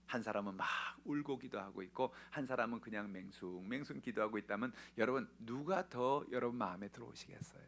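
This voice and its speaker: A male pastor preaching a sermon, swinging between loud emphatic exclamations and hushed whispers. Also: mid-range voice, a little fast, creaky, hardly any pauses.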